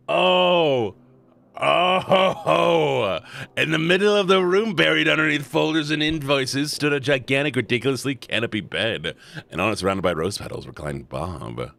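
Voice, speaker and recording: A man streaming a story game, reading the text aloud and chatting playfully with his viewers in an animated way. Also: a little high, unhurried, creaky. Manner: animated, playful, shouting at times. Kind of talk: reading a visual novel aloud to chat.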